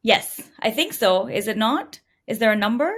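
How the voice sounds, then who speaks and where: A woman's voice: on the high side, animated, moderate pace, fairly bright tone. A middle-aged woman from India, speaking conversationally as an interview guest about her own experience. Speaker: podcast guest, entrepreneur. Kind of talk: conversational interview answers, telling own story.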